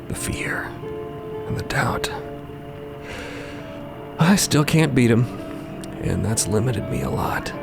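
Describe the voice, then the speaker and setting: A man voicing a wounded, earnest trans woman in a fiction podcast, halting and sighing as she confesses her self-doubt. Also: medium pitch, huge pitch swings, gravelly, heavily acted. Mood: sad, confessional. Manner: halting, sighing, breaking into hushed near-whispers. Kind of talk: emotional dramatic monologue in a narrated fiction podcast. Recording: loud music bed.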